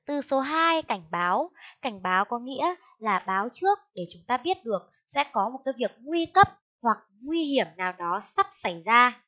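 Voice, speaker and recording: A woman teacher giving a reading lesson to young children, pronouncing each word slowly and deliberately. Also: a little high, sing-song, muffled recording. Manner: slow, deliberate enunciation, spelling out words for children. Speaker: primary school teacher.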